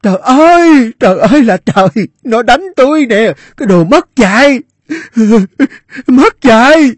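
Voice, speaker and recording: A man's voice: extremely high pitch, lively intonation, measured pace, no room sound, studio quality, pitched above the performer's own voice, heavily acted. A man voicing a fat, abusive middle-aged woman who screeches and wails in a piercing, hysterical voice. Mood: wailing. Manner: shrieking, wailing, hysterical scolding.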